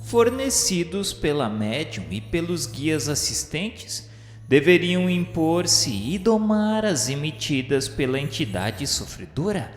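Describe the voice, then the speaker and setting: A man's voice: on the high side, sing-song. A man with a Brazilian accent gives a solemn, formal, scripted literary narration in the style of a radio novela. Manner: solemn, formal, measured delivery. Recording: echoey hall-like reverb, music behind. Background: music.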